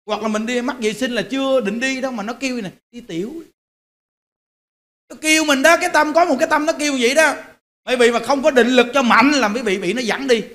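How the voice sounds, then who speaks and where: Animated monk exhorting. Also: male voice, very high voice, fast talker. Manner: animated, exhorting the audience, direct. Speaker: Buddhist monk. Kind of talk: sermon.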